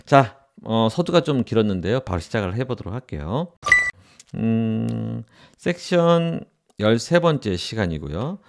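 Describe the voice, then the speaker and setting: Male tutorial lecturer, informal and explanatory, expressive swings in intonation with a fry-edged tone. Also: fairly low pitch, unhurried, heavy background noise. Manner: explanatory, often restating points for emphasis. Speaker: audio engineering instructor.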